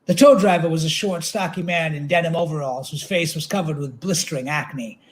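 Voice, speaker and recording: A man reading literary narration aloud at an event, with a measured, dramatic delivery. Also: fairly high pitch.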